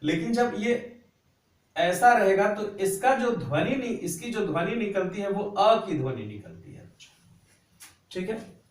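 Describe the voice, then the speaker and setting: A man's voice: high-pitched, animated, slow pace. A man teaching a class, patiently explaining grammar at a board and drawing out syllables so students can copy them. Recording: roomy echo, voice a bit far from the mic.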